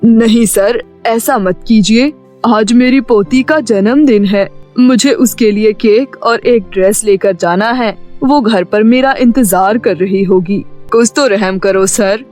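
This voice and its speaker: A man's voice: high voice, slow pace, a little mellow, faint music behind. A man voicing a poor old grandfather who sells noodles, pleading and lamenting, in a children's story cartoon. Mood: humble, pleading.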